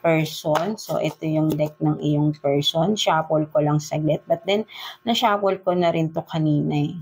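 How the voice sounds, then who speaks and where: A woman's voice: low voice, creaky, darkish tone. A woman with a Filipino accent giving a casual tarot reading in Taglish, chatty and full of fillers, often tagging her sentences with "no?" and "right?". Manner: chatty, slow, filler-heavy Taglish with frequent "no?" and "right?" tags. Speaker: tarot reader.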